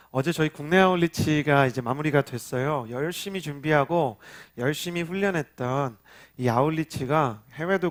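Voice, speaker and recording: A youth pastor in his thirties preaches to a church gathering, his voice pitched in the ordinary middle range for a man. He talks in a chatty, storytelling way, drawing the congregation in with call-and-response. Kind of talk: sermon. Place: church worship service.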